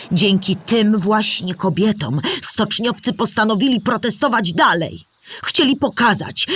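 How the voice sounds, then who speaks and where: An actress playing a storyteller who explains history to children in measured, articulate scripted narration. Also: female voice, mid-range voice, background noise, lightly acted. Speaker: narrator of a children's audio drama.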